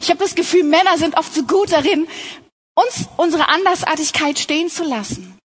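A young adult woman with a very high voice speaks at a moderate pace during a Christian talk. Her sermon is earnest and personal, directed at the women in the audience.

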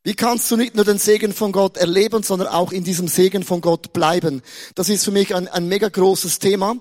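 A Swiss man with a Swiss German accent delivers a lively, humorous sermon, joking with the audience and tripping over repeated words. His voice is high-pitched and darkish in tone, with a steady tone and a brisk pace.

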